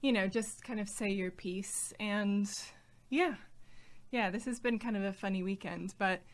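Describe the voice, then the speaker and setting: A bubbly, giggly woman chats on a stream in a softened American accent. Polish is her first language, and her voice sits at an ordinary middle pitch. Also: unhurried. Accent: American, slightly softened. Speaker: guest, streamer's wife. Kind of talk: casual live-stream chat.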